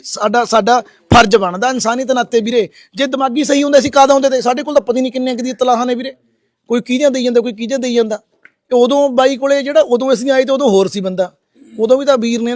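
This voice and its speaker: A man's voice: very high-pitched, dry recording, clean studio sound. A middle-aged man from Punjab, a social worker, confronting villagers outdoors and questioning a rescued man. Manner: shouts angrily at villagers, then speaks softly to the rescued man. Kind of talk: on-the-spot confrontation and gentle questioning.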